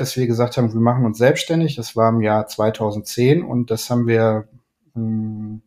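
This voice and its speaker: Middle aged guy from düsseldorf, podcast guest, rambly with lots of ums, normal pitch. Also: a little mellow. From Düsseldorf, Rhineland. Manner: chatty, many fillers and restarts. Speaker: guest, ad man and gallery owner. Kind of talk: casual podcast interview.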